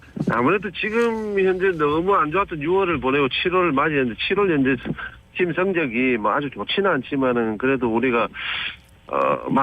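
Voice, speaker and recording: Over noticeable background noise, the speaker keeps a very even loudness and lively intonation at a moderate pace. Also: man, fairly high pitch for a man. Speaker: college baseball coach and baseball analyst. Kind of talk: radio sports commentary interview answer. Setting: phone line.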